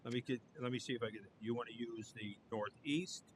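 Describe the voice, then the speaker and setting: A man's voice: mid-range voice, fairly even intonation, brisk, slight background noise. A man serving as county commissioner, questioning a request bluntly and skeptically. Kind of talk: official questioning at a public meeting. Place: county board meeting chamber.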